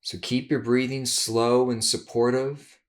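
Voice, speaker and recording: A man leading a guided meditation in a soothing, measured way, giving gentle instructions with long pauses. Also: medium pitch, level tone. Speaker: guided meditation leader, therapist.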